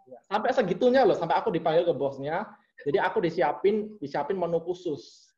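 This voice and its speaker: A man's voice: high-pitched, fairly quick. A man as an interview guest, chatting casually and acting out the people in his stories. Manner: animated storytelling, acts out quoted bosses. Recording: muffled lo-fi audio.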